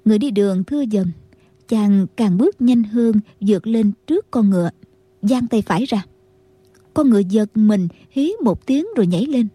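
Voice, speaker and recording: Woman narrating with a dark, husky voice. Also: medium pitch, animated, moderate pace, dry recording. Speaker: audiobook narrator. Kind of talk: scripted martial-arts novel narration.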